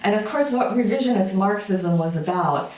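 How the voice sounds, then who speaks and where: Speaking animatedly at normal speed, a lecturer in their fifties delivers a casual summer school talk with plenty of fillers and wry remarks. The medium-pitched voice is a little mellow, and a distant mic gives it a roomy sound.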